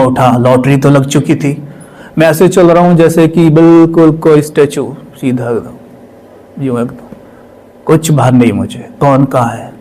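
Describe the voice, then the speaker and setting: A man's voice: a little high, low-quality recording. Man telling a spiritual testimony. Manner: storytelling with dramatic pauses, repetitions and shifts between hushed and excited. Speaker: spiritual community member sharing his experience. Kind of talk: emotional personal testimony.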